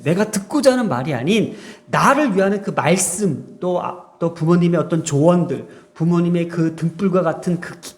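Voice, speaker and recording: A middle-aged man preaching a sermon to his church, chatty and self-deprecating, acting out little quoted exchanges. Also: a little high. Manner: conversational, self-deprecating preaching with asides and laughs; acts out short quoted exchanges in varied tones. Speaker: pastor.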